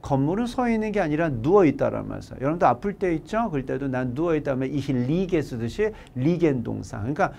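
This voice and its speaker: A middle-aged man teaching German, going through exam questions in a lively, joking lecture that slips into casual speech. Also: on the high side, a little fast, creaky, hardly any pauses, slight background noise.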